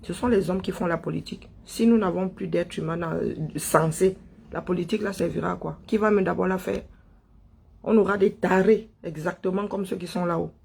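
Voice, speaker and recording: A man from Cameroon delivers a fervent political monologue as an online commentator, a little fast, in a high, steady voice with vocal fry and a darkish tone. Emphatic repetition and rhetorical questions run throughout, over a faint hiss or hum.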